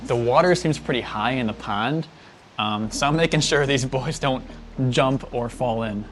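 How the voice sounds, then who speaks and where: A man's voice: medium pitch, normal speed, fairly bright tone. A man talking casually to the camera as a road trip vlogger, rambling loosely and chuckling often. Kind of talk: casual vlog chat.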